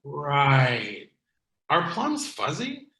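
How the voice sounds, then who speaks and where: A man playing a grumpy, antisocial, dryly sarcastic repairman in an animated comedy table read. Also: on the high side, extremely slow, heavily acted. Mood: deadpan. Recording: echoey room.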